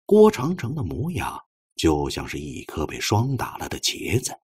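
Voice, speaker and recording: Deep, husky male audiobook narrator. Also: huge pitch swings, moderate pace, darkish tone. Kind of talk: expressive scripted novel narration.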